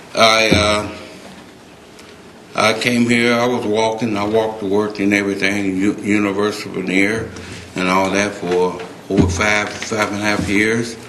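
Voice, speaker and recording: A man speaking at a city council public comment, emotional, halting and earnest, with many restarts. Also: on the low side, a bit bright. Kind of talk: public comment, unscripted plea. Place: council chamber. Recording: echoey council chamber, faint noise.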